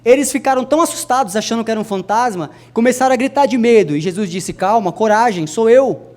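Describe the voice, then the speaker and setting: A young adult man preaching a sermon to a congregation, speaking to them directly and swinging his voice from soft to loud. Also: fast talker. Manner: addresses the congregation directly, wide swings in pitch and loudness.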